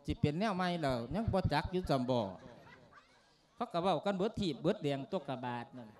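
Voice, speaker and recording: A monk voicing a humble young daughter-in-law. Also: male voice, on the high side, lively intonation, a little fast, darkish tone, close to an everyday voice. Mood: pleading. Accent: Isan. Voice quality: coaxing, polite. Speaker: monk performing a sermon tale. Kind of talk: Isan sung-sermon folk drama. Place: outdoor tent at a temple gathering. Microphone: handheld mic.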